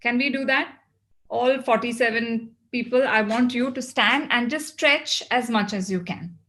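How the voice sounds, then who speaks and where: A woman with a South Asian accent speaks in a fairly high voice as she gives a motivational talk. She is instructive, setting out points and putting questions to her listeners that she then answers. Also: a little slow, fairly bright tone. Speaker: well-being speaker addressing a group.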